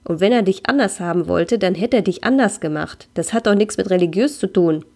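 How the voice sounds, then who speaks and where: A woman's voice: mid-range voice, a little fast, darkish tone, close to an everyday voice. A woman reading the lines of a very old, loving Catholic grandmother who earnestly insists on her point. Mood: indignant. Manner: earnest, shaking her head as she insists.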